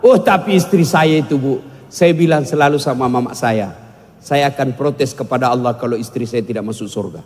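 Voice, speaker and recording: A man's voice: medium pitch, fairly quick, darkish tone. A man preaching a humorous sermon, joking with the audience and sometimes breaking into song. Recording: long hall reverb.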